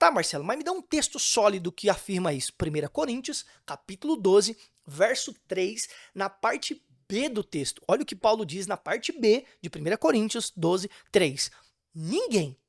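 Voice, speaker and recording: The delivery is animated and fairly slow, with very wide pitch swings, in a dry, close sound with no echo. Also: man. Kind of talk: casual Bible teaching video.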